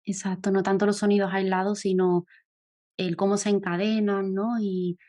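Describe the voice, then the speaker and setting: A woman's voice: mid-range voice, little pitch movement, moderate pace, warm tone. A woman hosting an interview, engaged and summing up her guest's points in a casual talk. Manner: engaged, sums up and adds points. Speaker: interviewer, channel host.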